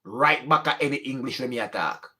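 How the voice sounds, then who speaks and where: This young Jamaican vlogger speaks a little fast in a mid-range voice that is bright and forceful. Chatting casually to his channel in a strong accent, he switches between standard English and patois.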